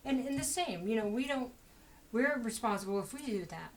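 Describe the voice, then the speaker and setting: A woman giving a casual tarot reading, talking fast and rambling with plenty of fillers. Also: a little high, lively intonation, a little hiss or hum, rough recording. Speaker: tarot reader.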